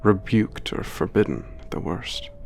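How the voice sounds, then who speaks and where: A man plays a gentle, melancholy giant who speaks in a low, gravelly voice. His words are formal and reflective, and he often drops to a whisper. Soft music plays faintly behind him. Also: a little slow. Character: gentle, melancholy giant protector, older-sounding. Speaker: narrator of letters home. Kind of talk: ASMR audio drama narration.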